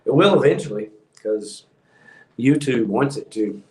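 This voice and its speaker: A man, hosting a livestream and rambling in a calm monotone with many ums. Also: medium pitch, unhurried, roomy sound, low-quality recording. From Texas. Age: 50s. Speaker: house painting business owner hosting a livestream. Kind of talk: rambling casual livestream talk.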